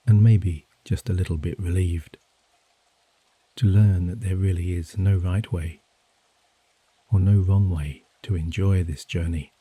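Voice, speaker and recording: A soft-spoken man guiding a sleep hypnosis session in a hushed, soothing, measured way with gently drawn-out phrases. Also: deep voice, slightly rough. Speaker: hypnosis and meditation guide. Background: gentle rain sounds.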